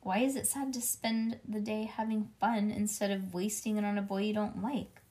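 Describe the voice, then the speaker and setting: A woman's voice: mid-range voice, level tone, normal speed, warm tone, close to an everyday voice. Storybook dad, played by a woman reader: exasperated yet reasoning, full of emphatic questions. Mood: coaxing. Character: exasperated but reasoning father of a young girl.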